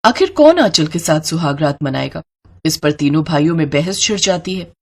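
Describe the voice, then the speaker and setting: A woman's voice: deep voice, sing-song, moderate pace. A woman giving scripted narration for a cartoon story.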